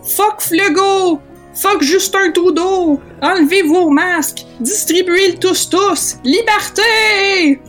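A woman with a Québécois accent voicing angry cart drivers loudly chanting slogans. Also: extremely high pitch, slow pace, soft background music, voice pushed up, exaggerated voice. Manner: loud chanting.

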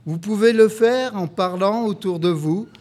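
A man's voice: sits high, measured pace, darkish tone. A man preaching a church sermon and reading scripture passages aloud. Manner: earnest, reads scripture aloud steadily.

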